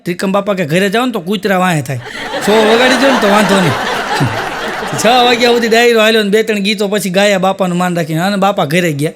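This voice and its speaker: A man telling folksy comic stories in a Gujarati accent, unhurried and slowing down for the punchlines. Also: sits high, very noisy. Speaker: stand-up comic.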